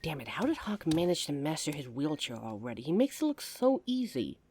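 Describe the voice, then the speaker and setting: A woman playing a devoted, protective werewolf lover in an audio drama, anxious, tender and halting. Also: low voice, very animated, darkish tone, a little hiss or hum. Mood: exasperated.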